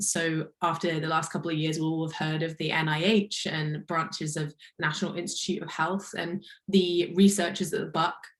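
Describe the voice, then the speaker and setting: A woman with an English accent, fairly low in pitch, at a moderate pace with fairly even intonation. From England, Oxford. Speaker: research scientist. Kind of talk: career talk webinar presentation. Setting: webinar.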